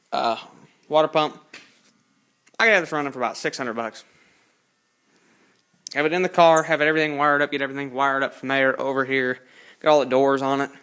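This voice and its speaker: A man's voice: on the high side, fairly bright tone, clean tone. An eighteen-year-old man casually walking through his car project in a home garage, rambling and correcting himself as he films on a phone. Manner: rambling, self-correcting, plain-spoken. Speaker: hobby car builder. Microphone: handheld phone camera.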